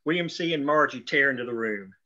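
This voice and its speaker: A man's voice: medium pitch, fast talker, pushed and bright. A man narrating screenplay stage directions in a scripted read, on dull lo-fi audio.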